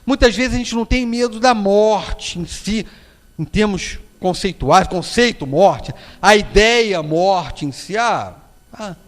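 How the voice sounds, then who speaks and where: Brazilian male lecturer, high voice, animated storyteller, echoing hall. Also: slow. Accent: Brazilian Portuguese. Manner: storytelling, acts out quoted voices, frequent tag questions. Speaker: spiritist lecturer. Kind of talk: public lecture with anecdotes. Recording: long hall reverb.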